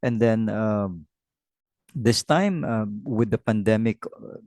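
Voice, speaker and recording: Measured male interview host, dry sound. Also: fairly low pitch, a little mellow, no room sound.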